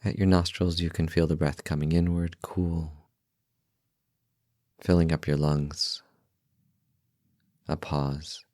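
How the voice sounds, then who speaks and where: Very deep-voiced man guiding meditation. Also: no room sound, clean studio sound. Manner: calm, unhurried, gentle, with long pauses. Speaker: meditation guide, podcast host. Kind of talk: guided meditation narration.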